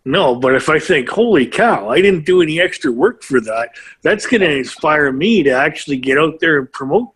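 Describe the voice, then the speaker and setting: Man, husky voice, a bit high, eager call participant. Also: animated, normal speed, fairly bright tone. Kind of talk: casual call chat.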